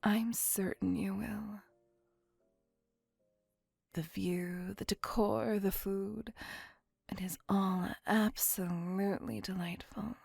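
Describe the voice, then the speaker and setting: A possessive, centuries-old vampire woman, as a woman voices her murmurs in a breathy, gravelly whisper, slow and unhurried. Her phrasing is formal and old-fashioned, close and dry on the mic, with soft music far behind. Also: medium pitch, fairly even intonation, dry recording, heavily acted. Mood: tender. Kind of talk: ASMR roleplay. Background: faint music.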